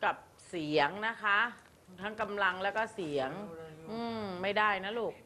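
A middle-aged woman head teacher lecturing her students in a classroom, gently and politely, calling them her children. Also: mid-range voice, moderate pace, a little hiss or hum.

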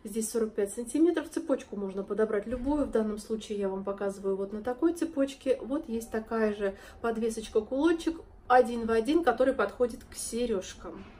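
A jewelry seller in her thirties shows off a collection to camera inside a shop with display cases, filmed close up on a front-facing phone or camera. Hoarse from a cold, her voice is still a little high and warm, fairly quick with hardly any pauses, as she chattily admires the pieces and addresses viewers as girls and friends in a casual sales presentation.

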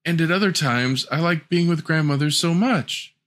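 A man voicing a sweet, trusting little girl in a storybook reading, pitching his voice high and gentle. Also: moderate pace, close to an everyday voice. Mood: innocent. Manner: high, wide-eyed, gentle.

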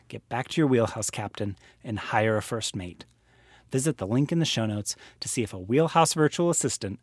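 A man's voice: on the low side, darkish tone, no room sound. A man reading a scripted podcast advertisement as a sponsor announcer.

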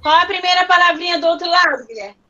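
Over dull, lo-fi video call audio, a first-grade teacher runs an online class for young children, coaxing pupils and prompting them by name. Her voice is very high-pitched and sharp, and she talks fast.

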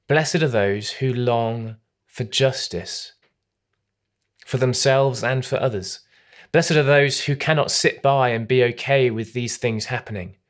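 A man with a British accent preaching an online church sermon in an earnest, measured way, slowing down on key phrases. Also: medium pitch. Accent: British English. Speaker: pastor.

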